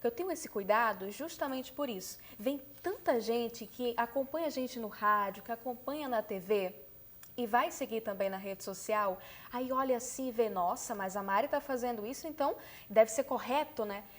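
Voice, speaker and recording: A young adult woman journalist chatting on a TV talk show in a poised, measured announcer manner. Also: a little high. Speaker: TV and radio journalist. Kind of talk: casual TV talk show chat.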